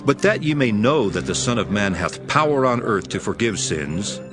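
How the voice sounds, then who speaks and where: Male actor as calm authoritative teacher, solemn scripture drama, lowish voice, music underneath. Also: moderate pace, lightly acted. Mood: firm, reasoning. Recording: music behind the voice.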